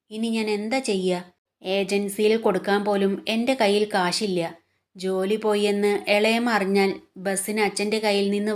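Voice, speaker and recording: A woman's voice: mid-range voice, natural voice. A woman storyteller voicing a frightened, tearful young woman who speaks timidly. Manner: timid, soft, despairing.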